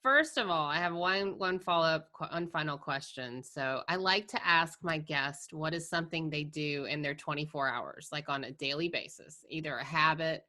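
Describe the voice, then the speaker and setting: A woman from Georgia with a Southern accent hosts a podcast interview. Her voice sits a little low but has a bright, forceful edge, and she is effusive and quick to laugh. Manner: warm, effusive, laughs easily. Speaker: podcast host.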